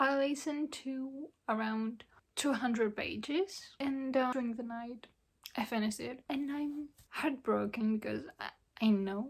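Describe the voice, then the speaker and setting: Her pace fairly slow, a woman talks in a high pitch. She shows ordinary pitch variation. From Greece. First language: Greek. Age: 20s. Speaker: book vlogger. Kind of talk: casual talk to camera.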